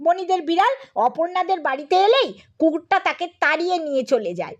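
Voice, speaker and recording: A woman's voice: very high-pitched, animated, fairly quick, muffled recording. A woman narrating a scripted comic story as an audiobook reader.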